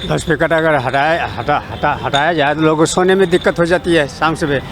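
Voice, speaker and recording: Quick man over loud street noise. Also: fairly high pitch, steady tone. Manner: stumbling, repeating words. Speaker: member of the public being interviewed. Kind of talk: spontaneous street opinion. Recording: clearly noisy outdoor street recording.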